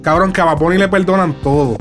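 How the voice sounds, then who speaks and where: A man's voice: quick pace, soft background music. A man with a Puerto Rican accent talking casually and with animation, full of slang. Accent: Puerto Rican Spanish. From Puerto Rico. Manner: animated, slangy, acts out quotes in high voices. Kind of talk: casual chat.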